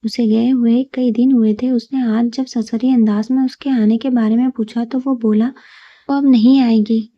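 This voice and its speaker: A woman reading a romantic audio novel in a steady, even storytelling narration. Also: fairly high pitch, few pauses, no room sound. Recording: dull lo-fi recording.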